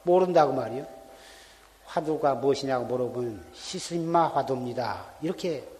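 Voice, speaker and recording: A man's voice: mid-range voice, moderate pace, a little mellow, slight background noise. A man, a Buddhist monk giving an earnest Dharma talk full of repeated rhetorical questions, recorded in a temple hall. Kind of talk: sermon.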